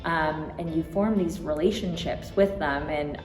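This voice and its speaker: A woman's voice: deep voice, a little slow, a little mellow. Woman answering in a roomy hall. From Toronto, Canada. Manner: reflective, with frequent ums and likes. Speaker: interview guest. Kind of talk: conversational interview answers. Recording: roomy hall reverb, faint music.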